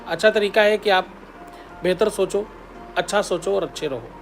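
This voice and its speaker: A man's voice: sits high, normal speed, soft background music. A man, a spiritual teacher, giving devotional advice in an instructive way, repeating the key steps and intoning mantras.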